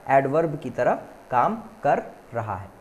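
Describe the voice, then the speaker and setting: A male teacher going through an exam-prep question paper. He reads the English questions slowly and explains quickly in Hindi, addressing students as "beta". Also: mid-range voice, sing-song, dull audio, slight background noise.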